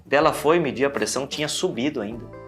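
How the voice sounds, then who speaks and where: A man's voice: mid-range voice, brisk, over music. A Brazilian man, a pastor, telling stories in a casual podcast chat and acting out the voices of the people in them. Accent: Brazilian Portuguese. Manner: animated, acts out voices in his stories. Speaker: pastor, guest.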